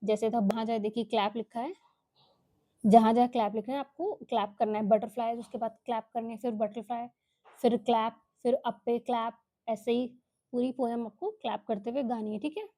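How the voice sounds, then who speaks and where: A woman's voice: a little high, steady tone, brisk, dark tone, dry recording. A woman teaching children a workbook lesson, explaining each step patiently and often checking with okay, with an Indian English accent.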